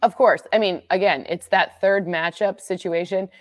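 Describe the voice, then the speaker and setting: A woman from the Midwest talking through football analytics in casual chat, quick and full of restarts. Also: on the low side, fairly even intonation, dry recording, studio quality. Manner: quick, restarts sentences, laughs at own jokes.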